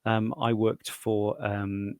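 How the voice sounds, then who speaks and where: South London man in his sixties, halting. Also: lowish voice, fairly even intonation, clear, resonant tone, dry recording, clean studio sound. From South London, England. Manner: halting, repeats words as he explains. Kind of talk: conversational interview answers.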